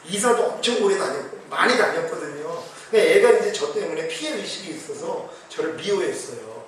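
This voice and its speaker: A man's voice: sing-song, fairly quick, fairly bright tone. A middle-aged man preaching a sermon as pastor, telling a personal testimony with emotion and rising to fervent exclamations. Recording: boomy echo, distant mic, faint hiss.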